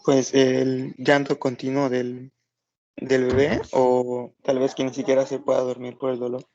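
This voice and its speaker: A man's voice: medium pitch, monotone, a little slow, a little mellow, muffled recording. A male student giving a tentative answer in class.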